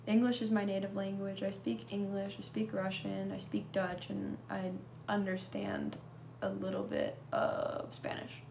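Slow-talking young woman on a livestream. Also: mid-range voice, expressive, gravelly, reverberant, background noise. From California. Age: young adult. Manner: casual, drowsy, answers viewers in short bits. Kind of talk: live stream chat reading comments. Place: small room indoors. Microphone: phone held close to face.

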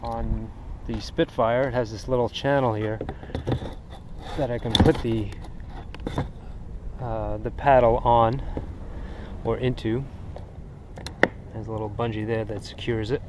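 Man, mid-pitched, easygoing show-and-tell with fillers, recorded outdoors on an action camera with clear background noise. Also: a little slow, long pauses. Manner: relaxed, rambling, frequent "uh" fillers. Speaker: kayak angler showing his gear. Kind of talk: casual show-and-tell narration. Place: outdoors on shallow water beside a kayak. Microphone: action camera mounted on the kayak. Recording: noisy outdoor camera audio with wind and water.

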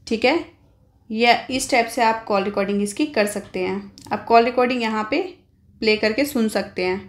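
An Indian woman hosting an informal phone tutorial, explaining step by step and often adding little check-in tags. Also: a little high. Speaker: tech tutorial host.

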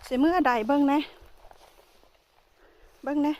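A woman's voice: high-pitched, fairly even intonation, measured pace, a little mellow, muffled recording. A woman with an Isan Thai accent chatting casually as she vlogs outdoors in a forest, exclaiming often. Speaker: vlogger. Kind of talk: casual vlog narration.

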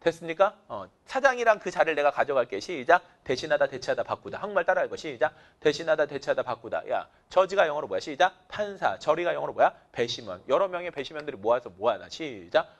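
Male teacher, lively up-and-down voice, fairly high, call-and-response drilling, energetic lecture. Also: fast, few pauses. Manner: drills students with countdowns and repeated cues, jokes in slang. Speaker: English teacher.

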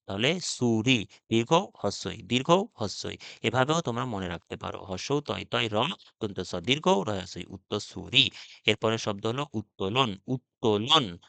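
A man's voice: medium pitch, gravelly, fairly bright tone, no room sound. A male teacher giving a spelling lesson for exam students, spelling each word out letter by letter and repeating it.

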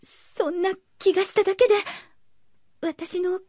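A woman's voice: very high-pitched, fairly even intonation, unhurried, mellow, no room sound, studio quality. A woman playing a meek, apologetic young servant girl in a Japanese radio drama. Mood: meek, shaken. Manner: meek, hesitant.

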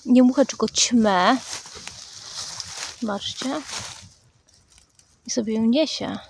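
A woman chatting casually as she films a walk outdoors, talking to viewers and cooing loudly to her dog. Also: on the high side, vocal fry, slight background noise. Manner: coos in a loud sing-song baby voice to her dog; calm, unhurried chatty commentary. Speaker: vlogger. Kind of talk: casual walking vlog. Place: outdoors in the countryside and a garden plot.

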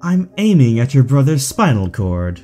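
A man acts out a smug, aristocratic audio drama villain with a mellow tone. His pitch swoops theatrically as he taunts and condescends, with music playing underneath. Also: very animated, normal speed. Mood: taunting menace. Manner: mocking, drawling, condescending.

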